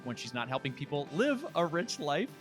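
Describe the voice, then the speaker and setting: A man's voice: fairly high pitch, sing-song, moderate pace, soft background music. A man hosting a podcast, introducing his guest and asking questions in an upbeat, friendly way. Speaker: podcast host.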